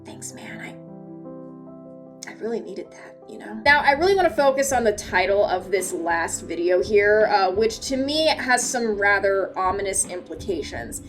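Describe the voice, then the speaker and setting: A woman's voice: medium pitch, lively intonation, a little slow. A woman giving casual, joking video-essay commentary with a sarcastic, slangy delivery and mock-dramatic asides. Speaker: host of an analog horror analysis video. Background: background music.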